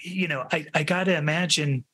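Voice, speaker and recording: A man's voice: on the high side, fairly quick, a bit bright. Chatty male podcast host. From California. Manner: friendly, stammering restarts, filler-heavy questions. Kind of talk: casual interview chat.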